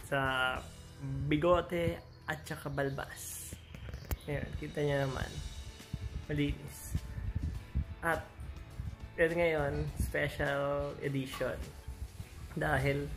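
With clear music in the background, a man talks at a very slow pace, leaving long, frequent pauses. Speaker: vlogger. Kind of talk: casual vlog chat. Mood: playful, joking. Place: home room. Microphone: phone near.

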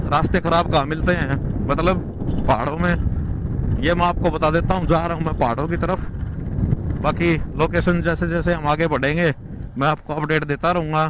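Against noticeable background noise, a man's voice comes through dry, with no echo. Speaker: motorcycle travel vlogger. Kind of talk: casual vlog chat. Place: motorbike. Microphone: helmet.

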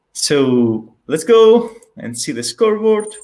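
A man with a high-pitched voice. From Greece. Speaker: meetup organizer; meetup host running quiz. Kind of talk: quiz hosting. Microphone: headset.

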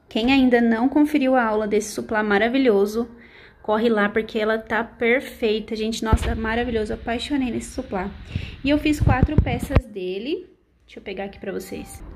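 Over loud background noise, a woman talks at a moderate pace with a fairly high pitch and ordinary pitch variation. Her loudness swings widely. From Brazil. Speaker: crochet YouTuber. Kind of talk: casual show-and-tell vlog. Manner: animated. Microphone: phone near.

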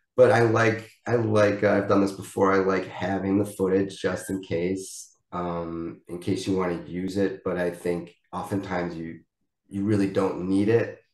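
In a quiet background with audible room echo, the speaker talks fairly slowly with an American accent in a monotone, flat intonation. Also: man. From Chicago. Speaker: documentary filmmaker. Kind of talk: interview. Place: home room. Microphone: video call.

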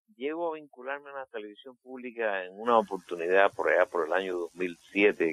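A man with a fairly low pitch talks at a fairly quick pace, with hardly any pauses and lively intonation. His loudness swings widely, and the sound is dry and close, with no echo. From Cuba, Camagüey. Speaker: video and broadcast engineer. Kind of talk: radio interview. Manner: halting, hesitant.

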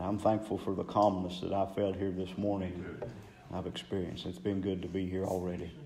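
Speaking at a moderate pace, a man with an Appalachian accent has a fairly low pitch. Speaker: church pastor leading service and prayer; church elder or pastor introducing the preacher. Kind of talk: church welcome and spoken prayer; sermon-style church remarks. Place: church.

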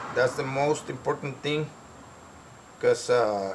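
A man is speaking over light background noise. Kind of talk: tutorial. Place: garage. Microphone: phone near.

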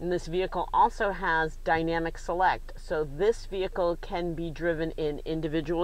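A woman speaks in a fairly low pitch at a moderate pace, with ordinary pitch variation and an unremarkable speaking voice. The sound is dry with no echo. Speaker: car salesperson. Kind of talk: product walkaround tour. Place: car. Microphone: phone near.

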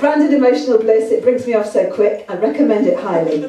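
There is audible room echo and light background noise as a woman talks. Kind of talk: poetry performance. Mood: playful, humorous. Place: stage. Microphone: camera far.

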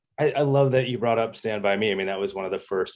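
A man speaks with a Boston accent and fairly even intonation. The background is quiet. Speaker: screenwriter. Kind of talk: casual interview. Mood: reflective, personal. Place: home room.

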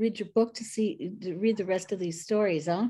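Against a quiet background, a woman talks at a moderate pace. Her fairly high voice has a dark, mellow tone and ordinary pitch variation. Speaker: event moderator. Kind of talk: moderating a virtual event. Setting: video call. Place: home room. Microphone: video call.

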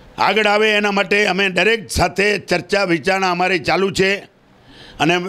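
A man uses a raised, projected voice that is high in pitch. His tone is bright and sharp. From Kutch, Gujarat (Abdasa taluka). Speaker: community leader and cow-shelter founder. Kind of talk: interview. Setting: office in Mumbai.

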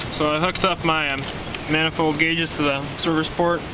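Noticeable background noise runs under a man's voice, and the sound is dry with no echo. He speaks with monotone, flat intonation. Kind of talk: tutorial. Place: street. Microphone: phone near.

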